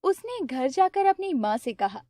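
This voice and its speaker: A woman narrating a cartoon story with a steady, even storytelling delivery. Her voice is on the higher side for a woman. It is recorded very dry and close, with no room sound at all. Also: measured pace, no echo. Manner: steady, plain telling.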